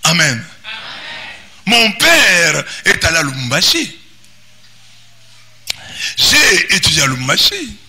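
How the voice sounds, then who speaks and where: A man with a Congolese French accent, a priest giving an animated sermon that often rises to shouts and singsong. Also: fairly high pitch, slow pace, long pauses, breathy edge. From Democratic Republic of the Congo. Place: parish church.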